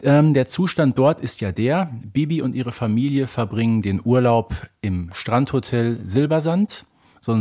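A man in his thirties co-hosting a podcast, telling and explaining things conversationally in a husky voice. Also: medium pitch, a little mellow. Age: 30s. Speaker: podcast co-host.

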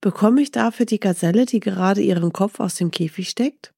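A woman's voice: medium pitch, a little fast, gravelly, warm tone, husky, no room sound, clean studio sound. A woman voicing a poor, ragged male beggar in a storybook, who sounds fretful and doubtful. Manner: fretful, questioning.

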